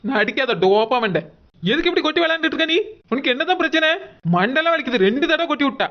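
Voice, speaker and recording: High-pitched scolding cartoon mother. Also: lively intonation, very fast, muffled recording. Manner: scolding, muttering, name-calling. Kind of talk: cartoon dub dialogue.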